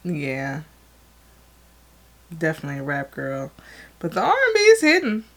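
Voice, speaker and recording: A woman's voice: deep voice, wildly swooping pitch, moderate pace, fairly bright tone. A young adult woman co-hosting a podcast, chatting casually and hesitantly with many fillers. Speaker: podcast co-host. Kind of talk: casual chat.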